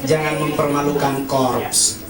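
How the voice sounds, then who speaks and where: A man's voice: fairly high pitch, flat delivery, a little slow. A man doing a stand-up set at an open mic, speaking in a confessional way and acting out other people's lines. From Indonesia. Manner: confessional, keeps repeating "honestly", acts out other people's lines. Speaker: stand-up comedian. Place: comedy cafe stage before a laughing audience. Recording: echoey club sound from a distance, loud crowd laughter.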